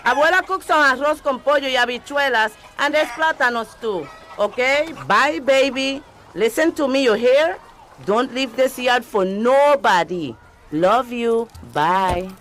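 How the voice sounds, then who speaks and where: A woman's voice: high-pitched, measured pace, fairly bright tone, soft background music. A woman acting the part of a doting but bossy Hispanic mother in a radio drama. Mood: fond, firm. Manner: motherly, instructing.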